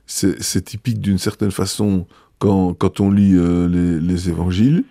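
Low, mellow man. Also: steady tone, gravelly, dry recording, studio quality. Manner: thoughtful, hesitant, frequent filler pauses. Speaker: bishop. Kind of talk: interview answers.

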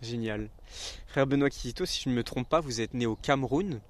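A man's voice: mid-range voice, fairly quick, slight background noise. Guy interviewing a priest, polite formal questions, normal mid voice.

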